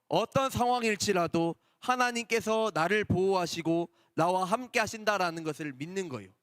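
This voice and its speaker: A man with a fairly high voice gives a children's Sunday sermon in a church. He speaks gently, asks questions and repeats his key points for the young listeners. The sound is close at the source but trails a long hall reverb. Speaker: children's department preacher.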